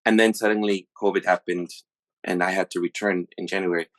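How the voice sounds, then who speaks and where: A man from the USA hosting a podcast, talking through his thoughts in a halting, casual way with many restarts. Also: low voice, steady tone, dry recording. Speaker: podcast host. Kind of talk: casual reflective monologue.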